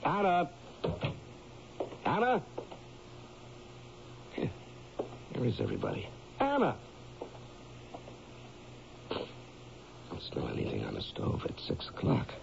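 An actor playing a bitter, self-pitying middle-aged ex-miner in a radio drama, grumbling and sarcastic. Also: male voice, medium pitch, vocal fry, full character voice. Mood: impatient. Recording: muffled, lightly noisy old radio recording.

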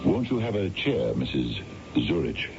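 A man's voice: sing-song, unhurried, full character voice. An actor playing a polite, formal financial man in his fifties in a radio drama, a little hesitant. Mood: courteous. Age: 50s. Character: imposing, polite fifty-five-year-old financial man. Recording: dull, noisy old radio broadcast with rumble.

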